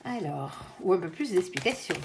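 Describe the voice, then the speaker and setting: A woman's voice: lowish voice, animated, moderate pace, background noise. A tired woman giving a casual tarot reading, chatty with many fillers and some stumbling. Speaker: tarot reader.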